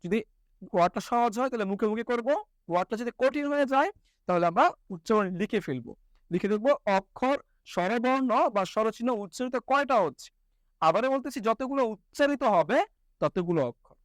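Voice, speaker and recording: A man's voice: very high-pitched, animated, a little fast, no room sound, clean studio sound. A young man teaching an online lesson, asking questions and answering them himself step by step.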